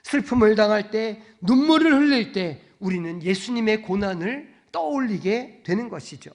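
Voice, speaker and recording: A male pastor delivers a Sunday sermon in a church with emphatic, dramatic swings between loud and soft. His voice is notably high for a man. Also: expressive, normal speed. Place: church sanctuary.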